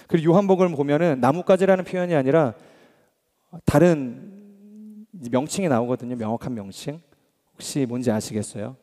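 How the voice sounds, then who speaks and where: Earnest Korean pastor in a big hall. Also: male voice, mid-range voice, dark tone. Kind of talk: sermon. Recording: long hall reverb.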